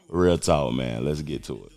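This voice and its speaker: Deep-voiced man in his forties, blunt. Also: a little mellow, no echo. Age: 40s. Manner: blunt, emphatic, streetwise talk. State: losing his voice. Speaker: podcast host. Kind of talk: casual commentary.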